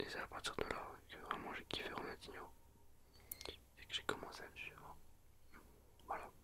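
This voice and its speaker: A man is whispering. He leaves long, frequent pauses. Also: moderate pace, big swings in loudness. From France, Paris. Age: 20s. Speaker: ASMR youtuber. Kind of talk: Q&A chat. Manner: hesitant.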